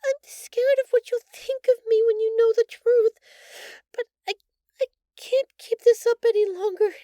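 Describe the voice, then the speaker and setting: A woman voicing a shapeshifted alien posing as a sweet, anxious human girlfriend in an intimate audio roleplay, speaking softly and haltingly. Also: extremely high pitch, no echo. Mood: tearful, pleading. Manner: soft, halting, pleading, stammering. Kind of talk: audio roleplay acting, intimate address to listener.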